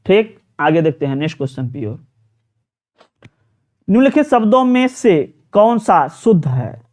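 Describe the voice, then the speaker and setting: High-voiced teacher drilling students. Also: male voice, big pitch swings, normal speed, a little mellow. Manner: repeats words and asks students questions, with many fillers. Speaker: Hindi teacher. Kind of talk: live online class, explaining exam questions.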